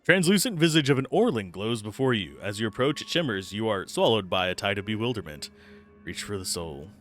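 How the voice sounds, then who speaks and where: A man's voice: on the low side, expressive, brisk, fairly bright tone. A man streaming a game, giving live commentary and reading game text aloud into a close microphone. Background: faint game music.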